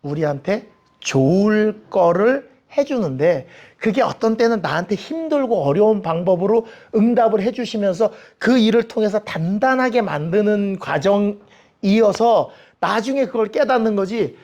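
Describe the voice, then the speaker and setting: In a dull-sounding recording, a man with a high voice teaches a Bible study at an ordinary pace. He keeps it lively and comic, asking the audience questions and dramatizing the people he quotes.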